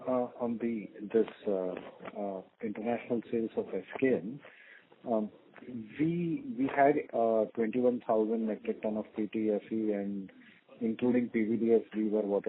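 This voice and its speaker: A man with an Indian accent asking questions as an analyst on an earnings call, speaking in a halting, hesitant way over a telephone line. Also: lowish voice. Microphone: telephone conference line. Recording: thin narrow phone line.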